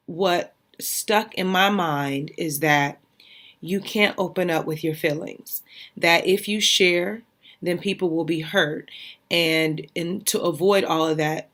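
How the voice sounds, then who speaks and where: A woman's voice: low-pitched, a bit bright. A young adult woman hosting her own podcast, telling a personal story in a candid, conversational way with goofy, light-hearted asides. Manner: conversational and candid, frequent "right?" and "y'all". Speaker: podcast host.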